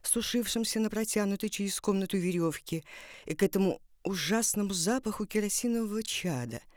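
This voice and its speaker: A woman reads literary prose as a dramatic narrator. Her delivery is deliberate and expressive, at a medium pitch, recorded dry and close. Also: no echo.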